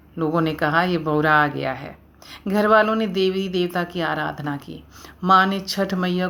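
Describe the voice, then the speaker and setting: Here is a woman with a fairly low pitch. She has a plain, everyday voice. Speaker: author, actor, folk singer and storyteller. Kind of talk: relaxing bedtime-style story narration. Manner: calm, soothing.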